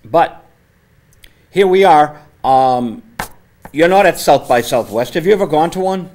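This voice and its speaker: A man hosting a casual studio interview, speaking with a naturally loud, conversational voice into a microphone set on the table. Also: a little high, expressive, a little slow. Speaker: host. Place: community access TV studio.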